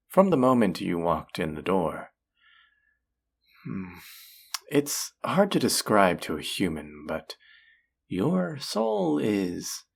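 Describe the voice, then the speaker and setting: A man voicing a flirty, possessive demon casino worker in a roleplay audio drama, teasing and taunting with seductive, drawn-out phrasing. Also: on the low side, gravelly, heavily acted. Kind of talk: scripted roleplay audio drama addressed to the listener.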